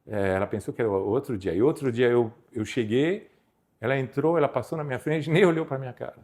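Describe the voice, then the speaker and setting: A man in his fifties from Belgium with a French-speaking Belgian accent, a photographer telling stories in a relaxed interview, with halting, self-repeating phrasing. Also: medium pitch. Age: 50s. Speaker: guest photographer. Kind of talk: casual interview storytelling.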